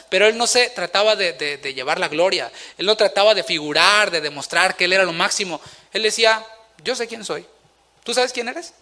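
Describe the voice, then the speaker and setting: Bright-voiced pastor preaching. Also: male voice, high voice. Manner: preaching with rhetorical questions and acted-out quotes. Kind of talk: sermon. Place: church.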